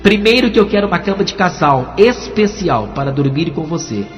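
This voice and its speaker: A man voicing a commanding female demon spirit with slow, ominous speech, set within his testimony. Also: on the high side, animated, lightly acted. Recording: echoey, dull, music underneath.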